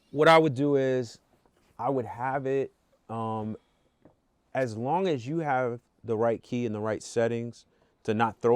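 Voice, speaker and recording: At a fairly slow pace with ordinary pitch variation, the voice has a dry, close sound with no echo. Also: man. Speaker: recording engineer. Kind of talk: workshop talk.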